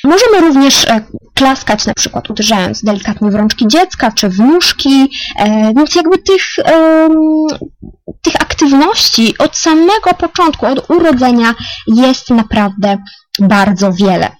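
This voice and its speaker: A woman in her thirties hosting a spoken lesson on rhythm for parents, explaining calmly with frequent filler sounds and counting beats softly under her breath. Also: sits high, unhurried, poor audio. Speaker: music educator, podcast host.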